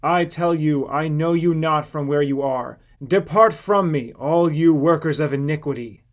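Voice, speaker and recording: A man acts out an authoritative holy teacher from a scripture audiobook. The voice is slightly high, and the delivery is solemn, declamatory and exhorting. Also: measured pace, close to an everyday voice. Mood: firm, emphatic.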